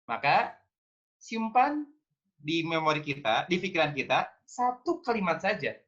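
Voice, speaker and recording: Brief: man, parenting talk host, bright forceful voice, a bit high, muffled audio. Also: big pitch swings, measured pace. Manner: engaging, asks audience, acts out scolding parents. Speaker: parenting speaker.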